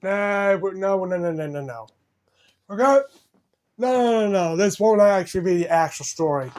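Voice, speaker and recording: A man's voice: sits high, expressive, moderate pace, a little mellow. A man voicing toy figures in silly improvised banter, playful and rambling. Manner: playful, rambling, switches between silly voices. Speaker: fan video voice actor for toy figures.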